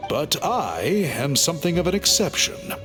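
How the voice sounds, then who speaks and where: An actor playing a formal, scholarly tribal chief who speaks in a measured, polite, explanatory way. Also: male voice, on the high side, very animated, music in the background. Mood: thoughtful. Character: scholarly male tribal chief, calm, formal, reform-minded. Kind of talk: game cutscene voice acting.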